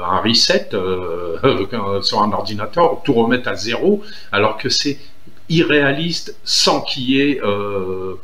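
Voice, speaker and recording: A man's voice: mid-range voice, fairly bright tone, reverberant. A man from Algeria speaking in a casual, earnest monologue, hesitant with many fillers and restarts. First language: Algerian Arabic (Derja). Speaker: political commentator.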